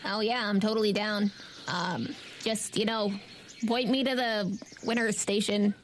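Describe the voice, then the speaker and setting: A woman's voice: mid-range voice, fairly even intonation, measured pace, a little hiss or hum, natural voice. A woman voicing an eager, athletic little hedgehog in a tabletop game, bragging in casual slang and repeating itself. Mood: easygoing, game.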